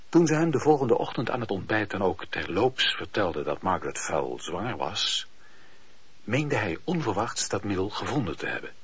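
Male storyteller, very husky, widely varied pitch, scripted radio drama narration, measured, muffled recording. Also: no echo.

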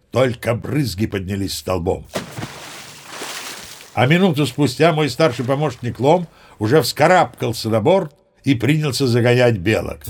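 A man's voice: mid-range voice, natural voice. An actor playing a seasoned, boastful old sea captain who tells his yarns in a chatty, emphatic, theatrical way. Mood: self-assured. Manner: chatty, folksy, self-assured, emphatic. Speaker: narrator. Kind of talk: theatrical first-person storytelling, audio play.

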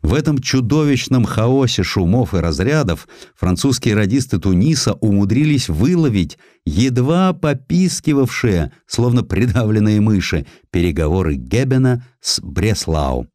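A man reading historical prose as a dramatic audiobook narrator, with expressive, theatrical storytelling. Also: fairly low pitch, measured pace, few pauses, no room sound, studio quality.

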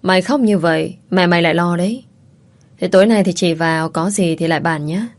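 A woman reading as a brisk, protective older friend. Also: fairly low pitch, lightly acted. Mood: worried. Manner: brisk, worried, scolding kindly.

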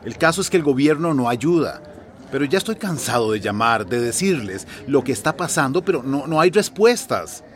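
A man's voice: mid-range voice, big pitch swings, moderate pace, faint music behind, lightly acted. A man playing a weary small-town mayor. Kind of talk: radio drama acting.

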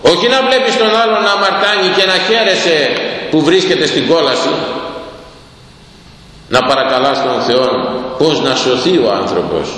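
A man delivering a sermon, slow and emphatic, asking his listeners pointed rhetorical questions. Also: a little high, expressive, fairly bright tone. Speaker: preacher. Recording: roomy hall with long reverb, faint ambience.

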